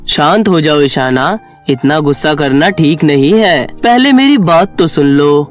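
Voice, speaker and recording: A man voicing a calm middle-aged serpent uncle in a cartoon story, measured and explanatory. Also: on the high side, faint music behind. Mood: placating.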